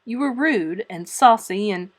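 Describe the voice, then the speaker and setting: A woman's voice: mid-range voice, lively intonation, a little slow, close to an everyday voice. This is an elderly spinster guardian voiced by a woman from a storybook. She is stern and dry. She scolds firmly, in clipped phrases that allow no argument. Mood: severe.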